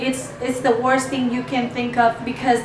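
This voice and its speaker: A high-pitched woman speaks at a moderate pace with a Spanish accent, her intonation monotone and flat. Room echo is audible and background noise is noticeable. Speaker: vlogger. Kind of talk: casual monologue vlog.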